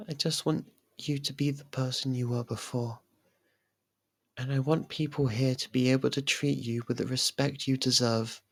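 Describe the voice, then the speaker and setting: Soft and halting, a performer with a steady, mid-range voice portrays a possessive young faerie royal in love, tender and clingy, for an intimate ASMR roleplay. The acting is light.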